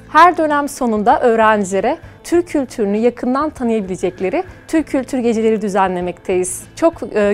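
A woman speaks as an education coordinator, giving a formal, prepared introduction. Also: a little high.

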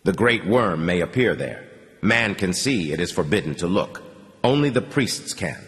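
A man putting on a fearful, simple tribesman who names himself instead of saying I, his voice a little low and soft. It sits in a long-reverb space. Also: expressive. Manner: speaks of himself in third person, simple halting phrasing.

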